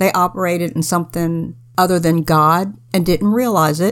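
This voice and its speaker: A woman with an unremarkable speaking voice, fairly low in pitch, uses lively intonation at a moderate pace in a very clean recording with a silent background. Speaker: co-host. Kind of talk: casual devotional commentary.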